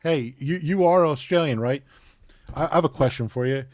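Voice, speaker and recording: A man's voice: fairly high pitch, normal speed. A man from Philadelphia with a Philly accent, chatting bluntly and swearing as a podcast guest. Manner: blunt, profane, joshing. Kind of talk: casual chat.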